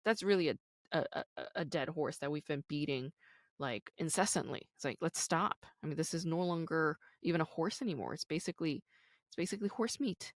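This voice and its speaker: A woman's voice: low voice, a little fast, no echo, studio quality. A woman in her thirties hosting her own podcast, talking candidly and casually with lots of "like" and "you know". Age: 30s. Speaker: podcast host. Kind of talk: casual solo podcast talk.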